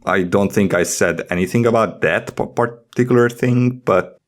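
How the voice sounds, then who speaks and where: A man's voice: fairly low pitch, moderate pace. A man chatting casually as a podcast co-host, in a grumbling, skeptical manner. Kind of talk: casual panel chat.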